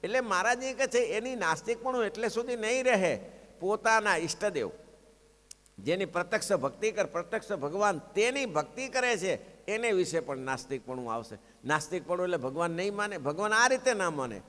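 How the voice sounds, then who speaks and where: A man with a Gujarati accent giving a sermon, telling a story and acting out its voices with swings in pitch. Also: expressive, a little fast, a bit bright. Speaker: preacher giving scripture discourse. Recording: long hall reverb.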